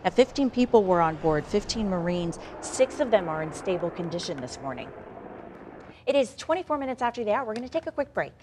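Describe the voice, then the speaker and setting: A woman's voice: medium pitch, big pitch swings, fairly quick, noisy background. A woman anchoring a live local morning TV newscast, talking to viewers directly in a conversational way.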